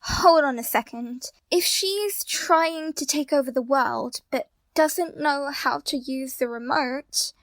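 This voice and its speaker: A woman playing a quick-thinking, take-charge character in an audio drama. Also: sits high, dry recording. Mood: thinking aloud.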